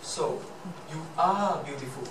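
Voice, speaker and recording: Earnest Malaysian-accented man, echoey and distant. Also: a little high. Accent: Malaysian English. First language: Chinese. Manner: earnest, rhetorical questions, slow emphatic repeats. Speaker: club speaker. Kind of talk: motivational prepared speech. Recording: echoey room from far off, noisy.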